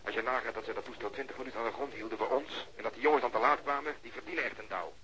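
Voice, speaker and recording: An actor playing a gruff, matter-of-fact male police detective in a radio drama. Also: mid-range voice, very fast, sharp tone, slight background noise, close to an everyday voice.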